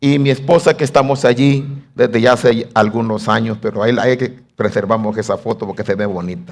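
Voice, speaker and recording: Ordinary rise and fall in pitch at a fairly quick pace. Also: man, medium pitch for a man. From El Salvador. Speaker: pastor. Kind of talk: lecture. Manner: hesitant, many fillers.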